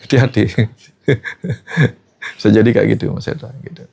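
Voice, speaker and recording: A man's voice: on the low side, steady tone, normal speed, gravelly, darkish tone, breathy edge. A man in a casual spiritual talk, telling stories and often addressing his host by name. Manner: storytelling, repeats the host's name often; quotes people in the story. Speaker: spiritual teacher.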